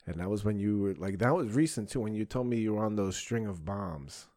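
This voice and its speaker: A man's voice: on the low side, animated, fairly quick, a little mellow. A man in his thirties chatting casually as a podcast host, rambling in profane, slangy talk. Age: 30s. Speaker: podcast host and stand-up comedian. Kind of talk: casual chat.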